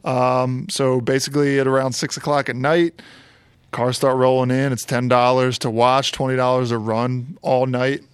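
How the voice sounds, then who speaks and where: A man's voice: medium pitch, little pitch movement, normal speed, clean tone, no echo. A man co-hosting a car show, talking casually and rambling a little, with fillers and restarts.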